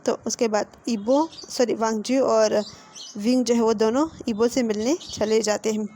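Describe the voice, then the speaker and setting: A woman's voice: on the high side, fairly even intonation, unhurried, mellow, a little hiss or hum. A woman casually retelling a fan-fiction story step by step.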